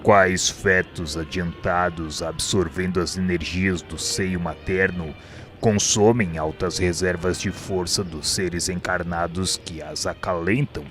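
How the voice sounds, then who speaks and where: Slow, deep, solemn spirit mentor. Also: male voice, fairly even intonation, a bit bright, soft background music. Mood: grave, explanatory. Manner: solemn, formal, didactic. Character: grave wise male spirit mentor teaching a pupil. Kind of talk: radio drama acting.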